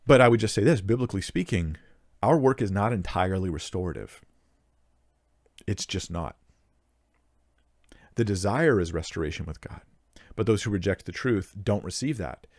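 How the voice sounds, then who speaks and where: A man's voice: deep voice, animated, normal speed, long pauses, no room sound. A young man hosting a Bible question show, answering a listener earnestly and emphatically into a close microphone, thinking aloud with restarts. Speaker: Bible Q&A host.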